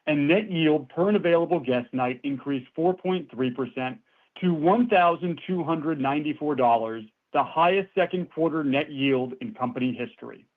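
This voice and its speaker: Higher-pitched man on a tinny phone line. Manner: formal, businesslike. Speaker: company finance executive. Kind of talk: scripted financial report.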